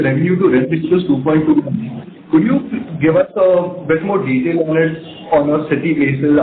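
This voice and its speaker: An echoey, thin phone line with faint noise carries a man. He asks an analyst's questions on a conference call. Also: a little high.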